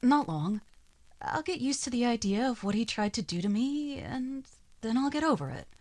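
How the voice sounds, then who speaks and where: Casting: actress as bruised, wistful young noir dame, vintage radio drama delivery. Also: female voice, a little high, very animated, normal speed, darkish tone. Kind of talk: 1940s radio acting.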